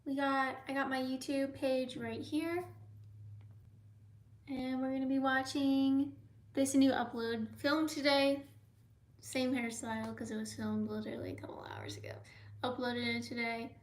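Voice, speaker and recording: A young American woman hosting a casual livestream, reading viewer comments aloud and often slipping into soft whispers. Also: high voice, level tone, unhurried, slight background noise. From United States. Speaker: livestream host.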